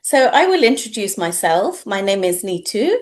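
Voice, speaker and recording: A woman hosting an interview as an English tutor, encouraging and asking simple, clear questions. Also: mid-range voice, big pitch swings, normal speed. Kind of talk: casual interview chat.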